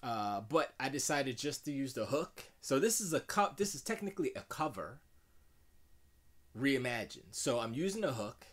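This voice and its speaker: A middle-aged man with a deep voice, chatting casually and rambling in a self-deprecating way while streaming from his home music studio. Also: very animated, moderate pace. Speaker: music producer streaming live. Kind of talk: casual live-stream chat.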